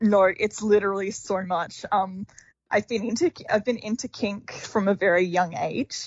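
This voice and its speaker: A woman with an Australian accent speaks at a moderate pace in a medium pitch. Her voice is somewhat breathy, with ordinary pitch variation. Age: 20s. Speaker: sex worker. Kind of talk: casual chat.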